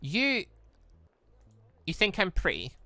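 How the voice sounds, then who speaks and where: Performer doing a naive young girl, shy, earnest, bright tone, visual novel character. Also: mid-range voice, wildly swooping pitch, slow pace, dry recording, exaggerated voice. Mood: shy, surprised.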